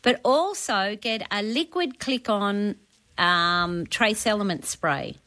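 A woman's voice: mid-range voice, slow pace, bright, forceful tone. An Australian woman on talkback radio, giving practical advice in a chatty, colloquial way as the resident expert. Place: radio studio.

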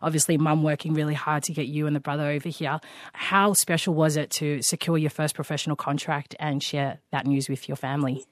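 A co-host asks questions with quick, upbeat energy. The voice sits at middling pitch, and the sound is dry and close. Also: level tone, no echo. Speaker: podcast co-host. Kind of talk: casual interviewing.

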